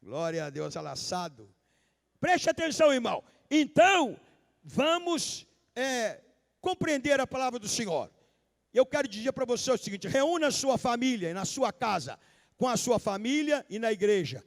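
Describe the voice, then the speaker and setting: High-voiced man preaching in a reverberant church. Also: animated, normal speed. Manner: emphatic preaching, repeats key lines, calls out to the congregation. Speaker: pastor. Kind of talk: sermon. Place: large church sanctuary, live service. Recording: long hall reverb of a church.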